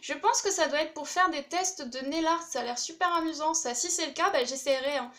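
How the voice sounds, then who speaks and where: A woman's voice: high-pitched, brisk, sharp tone. A young woman chatting casually and enthusiastically as she unboxes craft supplies, with many fillers. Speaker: craft YouTuber opening a swap package.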